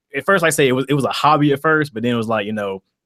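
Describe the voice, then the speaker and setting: A man with a Southern accent, ordinary pitch variation, and a dry, close sound with no echo. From US South, small town in South Carolina. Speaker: music producer. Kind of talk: interview. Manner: halting, many fillers.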